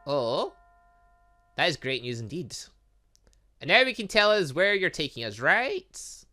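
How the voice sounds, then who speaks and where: Casting: man as curious fantasy academy student in a visual novel, doubtful, conversational, bright voice. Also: a little high, very animated, unhurried, exaggerated voice. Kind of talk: reading visual novel game dialogue aloud.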